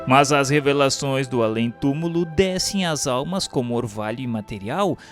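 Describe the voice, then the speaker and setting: Casting: Brazilian male narrator, medium pitch, formal declamatory delivery of solemn spiritual prose, light music behind. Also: expressive, moderate pace. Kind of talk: solemn scripted narration of a religious text.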